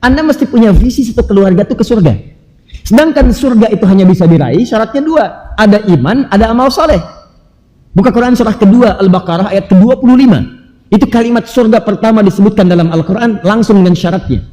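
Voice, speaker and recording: A man preaching a sermon emphatically, firing rhetorical questions at listeners and reciting scripture quickly. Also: sits high, expressive, warm tone. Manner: recites Arabic scripture quickly between explanations. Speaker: Islamic preacher. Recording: long hall reverb.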